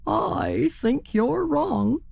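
Woman doing a proud, simple male turkey for a storybook; high, slow and wide-eyed. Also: animated, gravelly, darkish tone, dry recording, exaggerated voice. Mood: earnest. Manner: slow, wondering and pleading.

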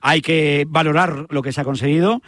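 A man's voice: on the high side, steady tone, normal speed, a bit bright, no room sound. A man from Spain hosting a radio sports interview, chatty and emphatic.

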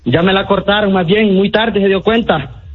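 A man's voice: high voice, moderate pace, breathy edge. Confused man snapping back on the phone. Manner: blunt, confused, retorting. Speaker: prank call target. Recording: muffled lo-fi phone audio with faint music.

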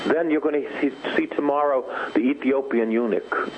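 A man's voice: medium pitch, moderate pace. A man preaching and praying in a charismatic Christian style, emphatic and repeating phrases for effect. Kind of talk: charismatic Christian sermon and prayer. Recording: thin phone-like band, loud noise.

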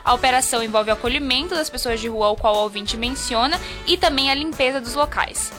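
A woman's voice: sits high, fast, music in the background. A woman with a Bahian accent, reading listener questions and official replies as a radio reporter. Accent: Bahian Brazilian Portuguese. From Bahia, Brazil.

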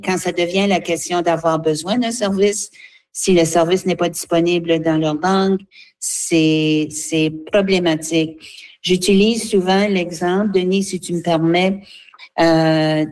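A woman, a guest speaking earnestly for a seniors' association, pausing often with fillers. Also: lowish voice, a little mellow. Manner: earnest, halting, with many fillers. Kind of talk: radio interview, advocacy.

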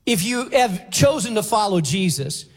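A man from Spain preaching a sermon as a pastor, emphatic, deliberate and teacherly. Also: sits high, big pitch swings. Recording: reverberant hall, faint music.

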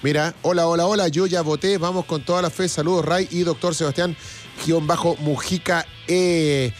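A man's voice: a little high, fairly even intonation, moderate pace. A Chilean man co-hosting a live music stream, chatting casually and reading viewer comments aloud. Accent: Chilean Spanish.

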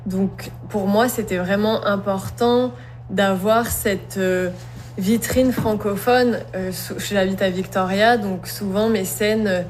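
A woman, a slam poet and singer, answering interview questions in an earnest, thoughtful way with many pauses. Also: medium pitch, steady tone, darkish tone, a little hiss or hum.

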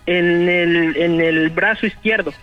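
A young man, calling in, relaxed and hesitant with frequent laughs. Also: sits high, takes it slowly, dull audio, faint music behind. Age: 20s. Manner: laid-back, giggly, hesitant. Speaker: caller.

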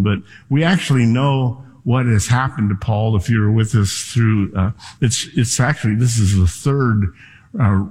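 A man delivering a Sunday sermon as pastor, explaining scripture in a conversational way with frequent pauses and fillers. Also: mid-range voice, darkish tone, long reverb tail. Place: church sanctuary.

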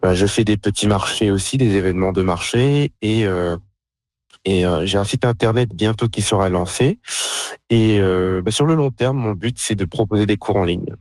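A man's voice: lowish voice, normal speed, a little mellow, no echo, studio quality. A young man from France, a guest in a casual interview, talking hesitantly with many fillers and restarts. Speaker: interview guest, pastry caterer.

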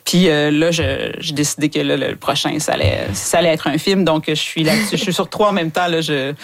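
A woman with a Quebec French accent, a filmmaker guest in an interview, speaking in animated bursts with frequent restarts. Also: deep voice, a little fast. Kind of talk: casual interview talk.

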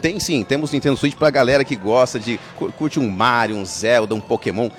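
A man's voice: medium pitch, brisk, soft background music. A man from Brazil, a game store owner, chatting in an upbeat, salesy way as a guest at an outdoor festival. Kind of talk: casual promotional interview.

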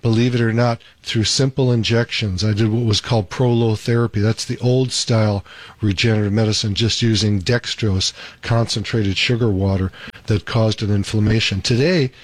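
Male radio host, doctor, relaxed chatty delivery, dry close studio mic. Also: on the low side, moderate pace, no echo. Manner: easygoing, chatty, with fillers. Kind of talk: live radio talk show. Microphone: studio microphone.

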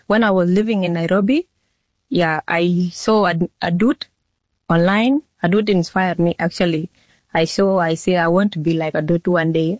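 A nineteen-year-old woman from Sudan, answering interview questions in a halting way with restarts. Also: fairly low pitch, a little mellow, no room sound. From South Sudan. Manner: halting, repeats herself and restarts sentences. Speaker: model being interviewed.

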